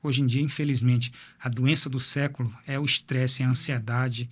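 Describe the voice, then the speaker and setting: A man's voice: medium pitch, fairly even intonation, moderate pace. A man, a cardiologist guest explaining heart health in an interview, often repeating words as he thinks. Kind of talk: medical interview.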